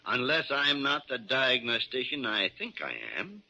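An actor playing a crusty, teasing older hospital doctor with a gravelly, drawling, grumbling voice in vintage radio drama style. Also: male voice, mid-range voice, animated, a little slow, pushed and bright, exaggerated voice. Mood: sly, teasing. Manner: drawling, grumbling, repeats himself. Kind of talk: 1940s-50s radio drama acting. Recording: muffled vintage radio recording.

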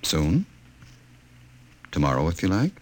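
Suave, deep-voiced scheming official. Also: male voice, huge pitch swings, a little slow, exaggerated voice. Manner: suave, courteous, authoritative. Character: smooth, scheming male government official of a dystopian future. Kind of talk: 1950s radio drama acting. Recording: old 1950 radio broadcast.

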